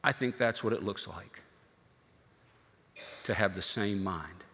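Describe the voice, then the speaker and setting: A male pastor telling a story in a sermon, dramatic and moving from hushed to loud. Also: sits low, slow, creaky, big-room sound, slight background noise.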